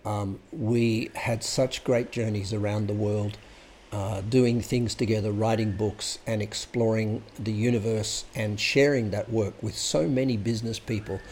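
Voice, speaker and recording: Guy rambling thru a personal story, lots of pauses, bit of faint background hiss. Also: lowish voice, fairly even intonation, darkish tone. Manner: rambling, hesitant, anecdotal. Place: Sydney home base.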